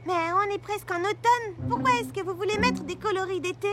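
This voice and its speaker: Squeaky, perky little cartoon girl. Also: brisk, reverberant. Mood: curious, teasing. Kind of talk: animated children's cartoon dubbing. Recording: loud music behind the voice. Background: children's cartoon music.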